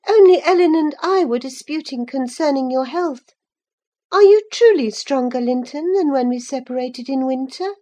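A woman's voice: expressive, normal speed, dark tone. A woman reading a novel aloud, voicing a spirited, impatient young woman in a raised, insistent tone. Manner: high, eager and insistent. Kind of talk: audiobook character voice.

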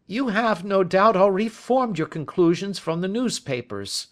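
A man voicing a smug, brisk police inspector. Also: high-pitched, expressive, fairly bright tone, voice pushed up. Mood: condescending. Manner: condescending, confident. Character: brisk, self-assured male police inspector.

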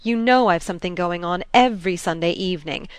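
A woman's voice: lowish voice, brisk, smooth, no echo, close to an everyday voice. A woman voicing a flamboyant older society hostess with a round, rolling voice and a brash, effusive manner. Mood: gushing. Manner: effusive, brash, hail-fellow. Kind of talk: audiobook character voice.

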